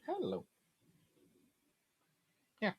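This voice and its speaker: A man hosting a casual live question-and-answer stream on naval history, chatty and animated, talking in a stop-start way with trailing asides. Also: very slow, dry recording, dull audio. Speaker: livestream host answering viewer questions.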